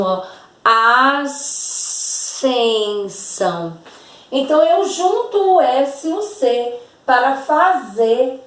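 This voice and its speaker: Slow, patient Brazilian woman teacher in echoey room. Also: high voice, distant mic. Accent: Brazilian Portuguese. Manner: slow and patient, drawing out words to demonstrate sounds. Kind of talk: slow, over-articulated classroom explanation.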